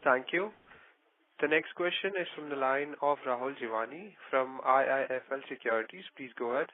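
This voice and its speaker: A man's voice: medium pitch, fairly quick, no room sound. A man working as a conference call operator, making formal, scripted announcements. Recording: narrow telephone line.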